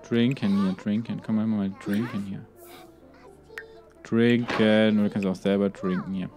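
A man's voice: on the low side, fairly even intonation, measured pace, darkish tone, faint music behind. A man giving let's play commentary on a life-simulation game. He rambles casually, keeps talking to the game characters, and tags his sentences with fillers like "hier" and "ne". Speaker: let's player.

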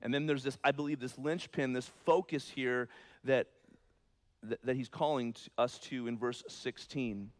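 A man preaching a sermon as pastor, moving between soft, low explanation and loud, high-pitched emphasis in an earnest, conversational way. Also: steady tone, moderate pace.

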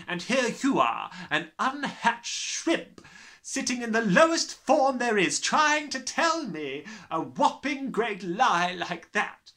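A man voicing a harsh, sneering, bullying middle-aged headmistress in a children's storybook, with snapping, drawn-out emphasis. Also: high voice, pushed and bright, voice pushed up, exaggerated voice. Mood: sharp, accusing. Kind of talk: dramatised children's storybook reading.

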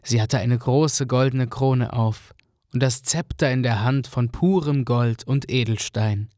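A man narrates a fairy tale in an even, storytelling manner, and his voice sits at a middle pitch. The recording is dry and close, with no room sound. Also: unhurried, no room sound.

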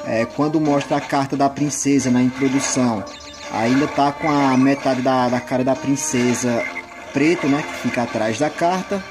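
Brazilian guy rambling casually about games, music loud behind him. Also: medium pitch, steady tone, moderate pace. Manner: rambling, conversational. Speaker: gaming video creator. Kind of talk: casual gameplay commentary.

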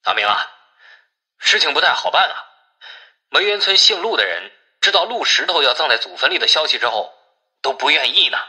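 A man's voice: fairly high pitch, very animated, fairly quick, bright, forceful tone, pitched above the performer's own voice, full character voice. A man voicing an anxious, resigned village kinsman in an audiobook drama, pleading and sighing through a radio-like phone filter. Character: anxious, resigned male village kinsman relaying bad news.

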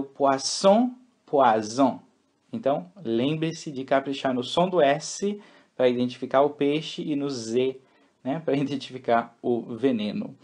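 A man's voice: medium pitch, warm tone. A man teaching a recorded language lesson, repeating example words and checking in with tag questions.

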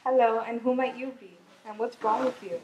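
A woman's voice: fairly high pitch, fairly even intonation, brisk, darkish tone, close to an everyday voice. A young woman playing a bored, standoffish character in an amateur puppet show. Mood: bored, dismissive. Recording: echoey room, clear background noise.

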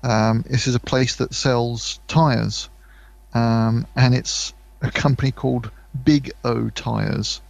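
A man's voice: mid-range voice, fairly even intonation, slow, gravelly. A British man co-hosting a podcast, chatting casually and rambling with many fillers and restarts. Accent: British English. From United Kingdom. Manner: mimics voices for anecdotes. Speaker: podcast co-host. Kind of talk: casual chat.

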